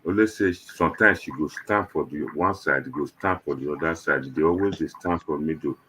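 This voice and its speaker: A man's voice: a bass voice, normal speed, a bit bright, slight background noise. A man with a Nigerian accent hosting an online panel show in Nigerian Pidgin, talking to viewers in a casual, rambling, conversational way.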